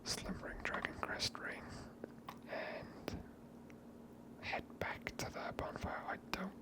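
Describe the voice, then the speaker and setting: A game streamer whispers the whole way through, offering ASMR commentary on the gameplay at a slow pace. The delivery is hushed and breathy, with the voice barely sounding.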